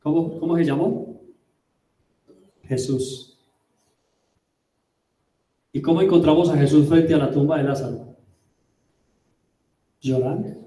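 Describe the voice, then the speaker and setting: A man preaching a sermon as a pastor, emphatic, with rhetorical questions and drawn-out words. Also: fairly high pitch, mellow. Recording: roomy, distant mic.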